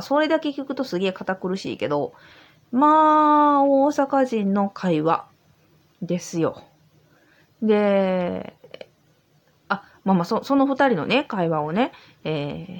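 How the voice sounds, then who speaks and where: A woman's voice: medium pitch, sing-song, moderate pace, dull audio. A tipsy woman with a Kansai accent hosts a solo podcast, chatting in an easygoing, rambling way from an old house. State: tipsy from drinking. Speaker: podcast host. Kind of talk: casual solo podcast chat.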